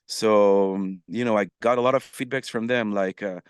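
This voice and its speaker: A man with a smooth, resonant voice tells his story as a podcast guest. He talks in an animated, casual way, with plenty of fillers and restarts. The sound is dry and close, with no room echo. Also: on the low side, moderate pace. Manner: animated, many fillers and restarts, acts out quoted messages. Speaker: podcast guest, musician and influencer.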